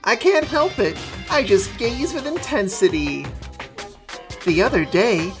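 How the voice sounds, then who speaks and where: A woman voicing a falsely sweet talking bear mascot for a video game, making school announcements in a drawn-out sing-song way. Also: mid-range voice, very animated. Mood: smug, playful. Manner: mock-cheerful, drawn-out sing-song delivery. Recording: music playing behind the voice.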